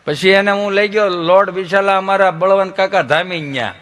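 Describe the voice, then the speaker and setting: A man with a Kathiawadi Gujarati accent, a folk comedian telling funny stories on stage, joking and animated as he imitates the people he quotes. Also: high-pitched, fairly quick. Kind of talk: stage storytelling at a dayro.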